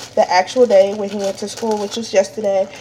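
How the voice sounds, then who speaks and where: Woman's voice with ordinary pitch variation against noticeable background noise. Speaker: parent vlogger. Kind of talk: casual vlog tutorial.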